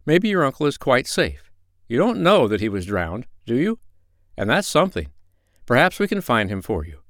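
A man voicing a kind, cheerful animal doctor in a storybook, speaking gently and reassuringly. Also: mid-range voice, sing-song, normal speed, no room sound, clean studio sound, voice pushed up.

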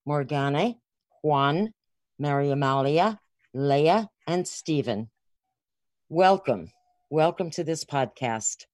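A woman's voice: deep voice, lively intonation, takes it slowly, pauses often, darkish tone, no room sound. A woman hosting a podcast, introducing guests with an enthusiastic, welcoming manner. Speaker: podcast host.

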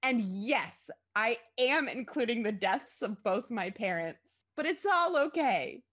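A woman's voice: on the high side, expressive, slow, a bit bright, exaggerated voice. A woman reading a story aloud and voicing an effusive, anxious, gushing mother with an overdramatic manner. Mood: melodramatic, anxious.

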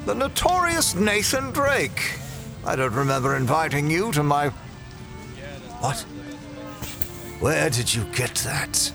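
A man playing a cruel, pompous wealthy collector, a villain speaking with deliberate menace in an audio drama. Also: a little high, big pitch swings, creaky, music in the background, exaggerated voice. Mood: haughty.

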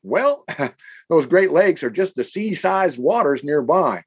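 A man's voice: a little high, takes it slowly, slightly rough. An enthusiastic man from the American Midwest, co-hosting a casual scripted chat. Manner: enthusiastic, animated. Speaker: podcast co-host.

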